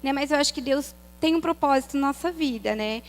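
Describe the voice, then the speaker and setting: A woman's voice: sits high, a little fast, poor audio. A woman with a Brazilian Portuguese accent preaching her first sermon at a church couples' event, hesitant, with many restarts and tag questions. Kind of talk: nervous first-time sermon to a congregation. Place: church hall.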